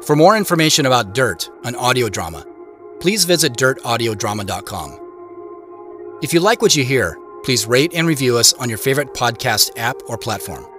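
A man hosts and reads scripted credits in a measured announcing style. His medium-pitched voice is bright and varied in intonation, with light music behind it. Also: big pitch swings. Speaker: writer, director, producer and host.

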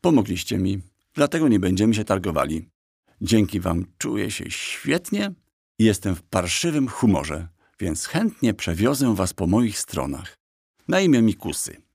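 A man lends his voice to a small black talking horse, boastful and mischievous, telling his tale with a sly, mocking edge. The voice sits low with a husky grain. It sounds close and dry, as in an audiobook. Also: sing-song, unhurried, darkish tone, no echo, heavily acted. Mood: cheerful. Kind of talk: audiobook character voice.

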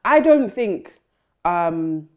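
Chatty podcast host woman, lowish voice. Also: very animated, drawn-out words, lo-fi sound. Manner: chatty, searching, lots of "um" and "like" while framing questions. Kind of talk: casual interview chat.

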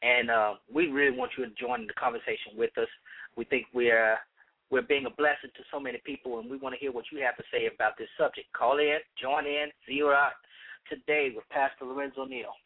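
Pastor guy hosting a radio talk show, going hoarse, lots of restarts, sounds like it's over a phone line. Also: mid-range voice, fairly even intonation, a little fast. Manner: conversational with many restarts, preacherly rises. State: losing his voice. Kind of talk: live call-in radio talk.

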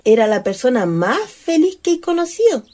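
A lovelorn Chilean ghost in a radio play. Her voice is fairly high and soft-toned, with a shy, candid, wistful air. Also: very animated, moderate pace. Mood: hesitant. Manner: girlish, hesitant, candid. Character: shy, naive, wistful female ghost longing for love.

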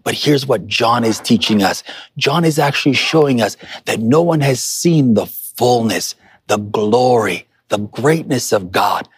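A man's voice: mid-range voice, lively intonation, a little slow, slightly rough, no echo. A man preaching a motivational sermon as a pastor, speaking emphatically and instructing listeners directly, repeating key phrases for weight. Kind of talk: motivational sermon to an online congregation.

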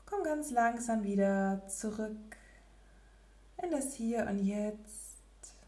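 Woman doing soft spa whisper meditation, really slow n mellow, bit of room echo. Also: mid-range voice. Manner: soft, breathy, near-whispered spa-like delivery; slow, gentle, with long pauses. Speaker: guided meditation leader. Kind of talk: guided relaxation meditation.

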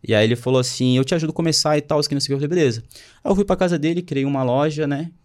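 This twenty-something man talks at a racing pace with a voice on the high side. He's casually recounting his life in slang, frequently quoting others.

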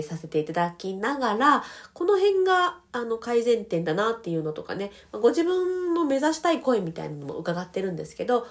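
A woman voice trainer with a Kansai accent, hosting a casual livestream, reading comments politely and laughing often while recovering from a sore throat. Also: mid-range voice. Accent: Kansai Japanese. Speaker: voice trainer and podcast host.

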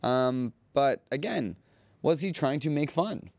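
A man's voice: medium pitch, lively intonation, slow, no echo. A man co-hosting a casual news show, easygoing and thinking aloud with many fillers.

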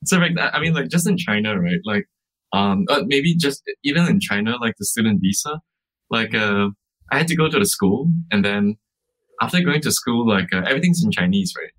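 A man's voice: lowish voice, expressive, fairly quick, a bit bright, rough recording. A man who co-founded a startup, answering interview questions casually, with many fillers like "like" and "uh" and frequent restarts. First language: English.

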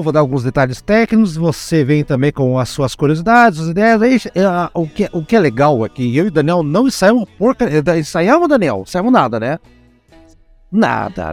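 A man with a Curitiba accent hosting a casual podcast about music albums, chatty and quick to laugh, full of fillers. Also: a little high. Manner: animated, chatty, laughs often, many fillers. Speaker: podcast host.

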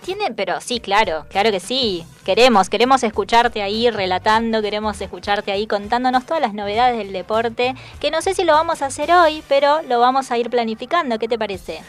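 A woman's voice: a little high, brisk, few pauses, soft background music. A woman, co-hosting a radio chat show in a chatty, playful way and laughing easily. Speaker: radio co-host.

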